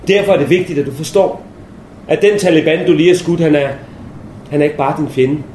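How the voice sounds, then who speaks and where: A man playing a stern, earnest male army captain, speaking low, quiet and insistent, in a roomy space with faint noise. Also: lightly acted.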